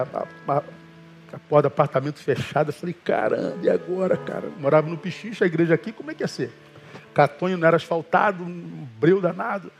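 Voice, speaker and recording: A man gives a sermon as a pastor in a fairly high voice. He tells stories casually and acts out the people in them, calling his listeners brother. Soft music plays faintly behind him. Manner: animated storytelling with quoted voices; colloquial, addresses listeners as brother.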